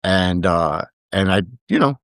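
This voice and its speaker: A man's voice: low-pitched, big pitch swings, unhurried, a bit bright, no room sound, clean studio sound. A man from Brooklyn who grew up partly in Puerto Rico and spoke Spanish first, telling stories as a podcast guest with lots of fillers and restarts. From Brooklyn, New York, with years in Puerto Rico. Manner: rambling, frequent fillers and restarts. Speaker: podcast guest, digital media founder. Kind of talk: casual storytelling interview.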